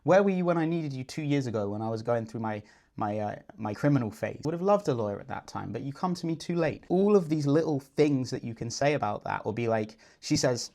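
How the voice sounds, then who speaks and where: A man's voice: medium pitch, expressive, brisk, a little mellow. Sex: man. Role: dating coach. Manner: confident explainer. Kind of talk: video breakdown commentary.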